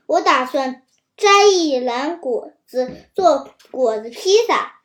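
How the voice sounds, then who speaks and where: A woman's voice: high-pitched, lively intonation, slow, a bit bright, heavily acted. A woman reading a storybook who voices a sly, scheming old male lion with a wheedling, fake-friendly manner. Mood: fawning. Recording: roomy echo.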